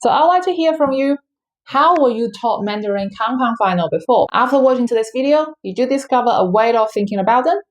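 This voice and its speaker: A woman teaching Mandarin pronunciation in an online lesson, speaking careful, non-native English with small grammar slips and slowing down to demonstrate sounds. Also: a little high, expressive.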